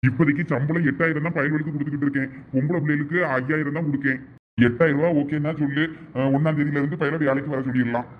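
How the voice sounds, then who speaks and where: A man with a Thoothukudi Tamil accent playing a brisk shopkeeper in an amateur village drama. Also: a little high, fairly even intonation, phone-quality sound, slight background noise. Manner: brisk, businesslike.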